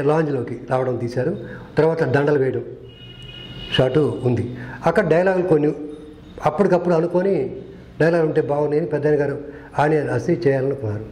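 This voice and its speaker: Older guy telling film set stories fast, warm slightly high voice, acts out the lines, roomy echo. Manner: acts out quoted dialogue, earnest. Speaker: film director recalling shoots. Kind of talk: storytelling anecdote. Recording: echoey room.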